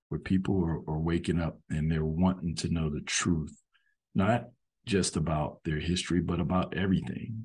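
A man's voice: deep voice, darkish tone, slightly rough. A man rambling earnestly in a casual monologue, often saying "you know", as the host of a show about history. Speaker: host commenting on history videos.

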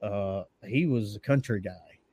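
A man's voice: lowish voice, unhurried, darkish tone, husky. A man in his forties from Memphis, chatting casually and laughing often on a video call. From Memphis, USA. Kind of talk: casual chat.

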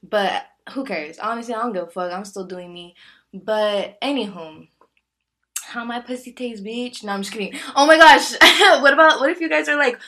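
A woman's voice: a little high, moderate pace, sharp tone. A young woman in her early twenties hosting a casual solo podcast, talking candidly with lots of fillers and laughs. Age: 20s. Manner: chatty, candid, laughs often, many fillers. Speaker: podcast host.

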